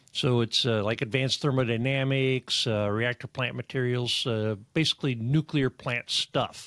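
A plain, everyday voice moves at a moderate pace with fairly even intonation and hardly any pauses, the sound dry and close with no echo on a very clean recording with a silent background. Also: man, medium pitch for a man. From US, Idaho (Pocatello). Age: 50s. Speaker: podcaster with cancer, Navy veteran, nuclear engineer. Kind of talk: casual interview.

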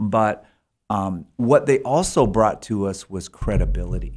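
A man with an ordinary speaking voice, fairly low in pitch, at a fairly slow pace with lively intonation. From Canada, Alberta. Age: 60s. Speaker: rodeo organizer. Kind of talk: casual interview.

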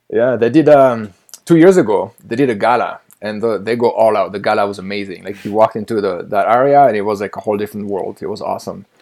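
A man talks very fast with a French accent. His pitch is medium, with ordinary variation. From France. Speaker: heavy duty mechanic and drone pilot. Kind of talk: casual interview conversation.

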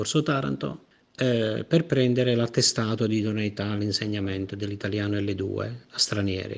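Using a normal speaking voice, a man speaks at a fairly slow pace and fairly low pitch with ordinary pitch variation. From southern Italy, Basilicata. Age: 60s. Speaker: retired volunteer Italian teacher. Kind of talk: interview testimony.

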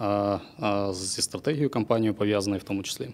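A man speaks in a fairly low pitch. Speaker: tech startup co-founder and volunteer. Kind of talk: interview. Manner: halting, many filler sounds.

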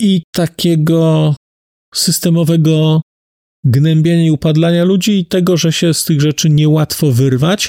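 With a dark, mellow tone and fairly high pitch, a man speaks at a fairly slow pace in fairly even intonation, the sound dry and close with no echo. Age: 50s. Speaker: podcast host, book reviewer. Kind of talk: solo book review monologue. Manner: formal.

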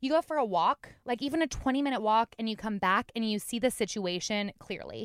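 Speaking with an American accent at a fairly quick pace and with hardly any pauses, a woman has an ordinary speaking voice, a fairly high pitch and ordinary pitch variation, in a very clean recording with a silent background and a dry, close sound with no echo. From US South, Atlanta, Georgia. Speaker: functional medicine clinic founder. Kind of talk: interview. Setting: in a car.

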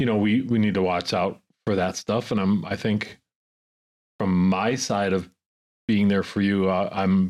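A man with an American accent has an unremarkable speaking voice, fairly low in pitch, at a moderate pace. His intonation is fairly even, his loudness very even, and the recording very clean with a silent background. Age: 50s. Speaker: podcast co-host. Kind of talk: casual chat.

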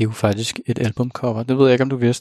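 A man's dark, mellow tone at medium pitch, with fairly even intonation, a dry, close sound with no echo and a quiet background. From Copenhagen, Denmark. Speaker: radio host. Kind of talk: radio music show. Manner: hesitant, many fillers.

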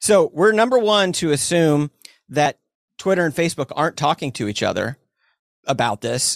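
In a very clean recording with a silent background, a man speaks with lively intonation, the sound dry and close with no echo. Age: 40s. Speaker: documentary filmmaker. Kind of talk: casual chat.

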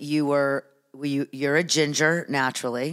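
On a very clean recording with a silent background, the speech moves at a fairly slow pace. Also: woman. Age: 50s. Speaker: comedian and actor, podcast host. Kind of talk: casual chat. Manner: enthusiastic.

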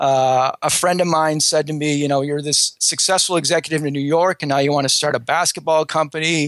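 In an American accent, a man talks at a fairly quick pace and a fairly high pitch, flat and monotone, with very even loudness and hardly any pauses. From US Midwest, Minnesota. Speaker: business founder. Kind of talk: interview.

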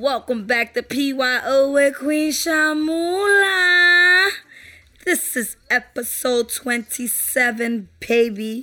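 This woman's high-pitched, bright, sharp voice is raised and projected, moving at a very slow pace. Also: lively intonation. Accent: Brooklyn. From New York City. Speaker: podcast host and motivational speaker. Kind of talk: monologue on current events, motivational. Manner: passionate, animated.

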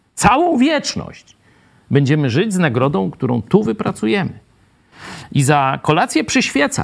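With vocal fry and very wide pitch swings, a man talks at a moderate pace in a fairly high pitch. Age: 70s. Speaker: Bible study leader. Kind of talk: Bible study teaching. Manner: conversational.

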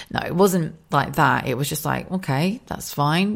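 There is noticeable background noise behind a woman's voice. She speaks at a moderate pace with ordinary pitch variation. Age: 40s. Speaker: podcast host, former radio presenter. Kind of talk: casual monologue. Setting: home kitchen. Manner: animated. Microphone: echoey room sound.

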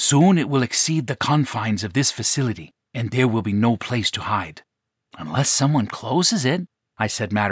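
Someone reads aloud plainly, and the background remains quiet.

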